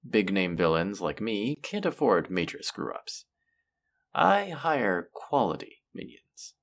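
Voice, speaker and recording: Man acting as a deep-voiced, suave supervillain. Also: vocal fry, a bit bright, full character voice. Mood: businesslike, proud. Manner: polished, measured, theatrical, amiable. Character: suave, pleasant male supervillain interviewing a minion recruit. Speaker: voice actor. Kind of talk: scripted roleplay audio drama, conversational monologue.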